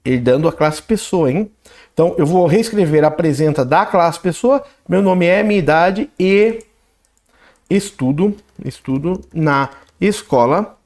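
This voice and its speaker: A man walks through code in a casual tutorial voice. His voice sits slightly high and swings up and down a lot as he explains. He talks while typing and checks in with quick "né?" and "ok?" asides. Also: animated, darkish tone. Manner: talks while typing code, reads output aloud, frequent "né?" and "ok?". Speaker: programming instructor. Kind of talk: screen-recorded coding tutorial.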